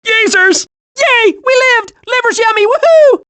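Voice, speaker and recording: An actor voicing a hyperactive, naive, cheerful squirrel in an animated video game, with an excitable, childlike manner. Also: very high voice, a little slow, heavily acted. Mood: gleeful. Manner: excitable, childlike, gleeful exclamations.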